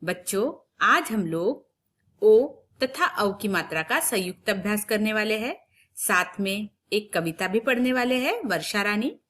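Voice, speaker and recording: Female primary teacher, slow and patient, drawing out sounds for children to copy. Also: mid-range voice, animated, fairly bright tone. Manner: patient, explaining step by step. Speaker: primary school Hindi teacher. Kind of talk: recorded lesson for young children.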